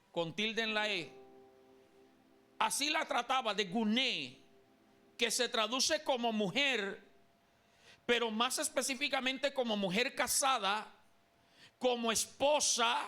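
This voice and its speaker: A man's voice: extremely high pitch, bright, forceful tone. A man from Colombia preaching a sermon as pastor in a church, emphatic and calling on the congregation to repeat after him. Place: church sanctuary.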